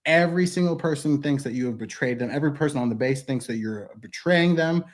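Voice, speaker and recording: A man's voice: fairly high pitch, fast. A man in his thirties speaking as a guest in a casual interview, blunt and emphatic, swearing freely, recorded at a desk mic in a wood-paneled studio. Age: 30s.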